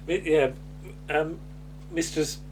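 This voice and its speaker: Man, British accent, higher-pitched voice, casual podcast recap, hesitant and rambling, amused, faint background noise. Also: far from the mic. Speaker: podcast co-host. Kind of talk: casual chat recapping a TV comedy episode.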